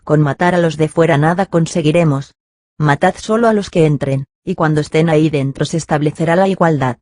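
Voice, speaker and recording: A man's voice: a little high, fairly quick, a little mellow, no room sound, studio quality, lightly acted. A man voicing a grim old marquis. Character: old aristocratic royalist commander, grim and defiant.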